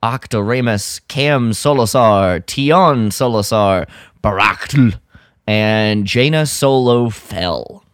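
Slow, smooth-voiced man in casual chat. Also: fairly low pitch, no echo, studio quality. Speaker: podcast co-host. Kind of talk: casual chat about sci-fi books.

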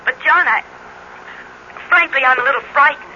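A woman's voice: sits high, normal speed. An actress playing a nervous, obliging woman on the telephone in a 1950s radio drama. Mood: frightened. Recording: muffled, noisy radio phone voice.

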